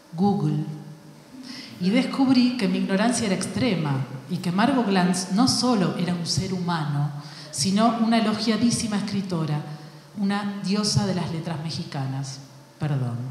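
A woman, an actress and playwright on a panel, reading a prepared essay in a measured, literary way with deliberate pauses. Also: medium pitch, darkish tone. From Argentina. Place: large hall at a panel event. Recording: very echoey hall, faint background noise.

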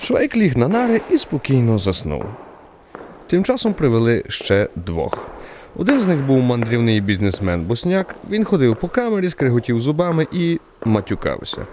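A man performs a wry storyteller narrating a radio play. His medium-pitched voice moves widely and theatrically through the tale, with faint noise and clicks in the recording. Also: darkish tone, lightly acted. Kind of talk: dramatised literary narration for radio.

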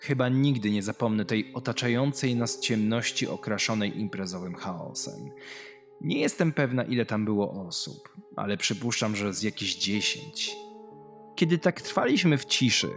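A man's voice: lowish voice, big pitch swings, normal speed, creaky. Man reading as a cold young female killer. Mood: brooding, haunted. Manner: confessional, menacing storytelling. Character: cold, talkative young female killer telling her past. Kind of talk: horror audio story. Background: music.

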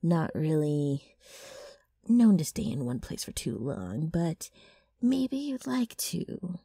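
Low, raspy, brash ghoul girl. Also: big pitch swings, takes it slowly, mellow, no echo, clean studio sound, full character voice. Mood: sly, coaxing. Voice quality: rough, raspy. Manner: rambling, flustered salesman-like patter with throat clearing. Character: gross, brash, scheming female ghoul ghost. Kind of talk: ASMR character roleplay addressed to listener.

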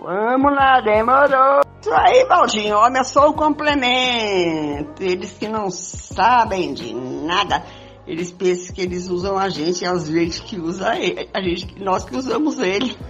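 A woman's voice: medium pitch, lively intonation, a little slow, fairly bright tone. An older Brazilian woman playing a fun-loving, mocking friend in an amateur radio soap. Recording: muffled voice clip with faint music.

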